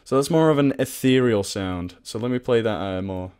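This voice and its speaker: A man presenting a casual software tutorial in an informal, self-deprecating, sweary way. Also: medium pitch, normal speed, clean tone.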